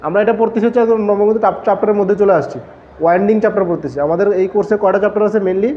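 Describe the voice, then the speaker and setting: Quick, high-voiced man lecturing a class. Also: warm tone, dull audio, slight background noise. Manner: explains step by step, asks the class questions and answers them himself. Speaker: textile engineering lecturer.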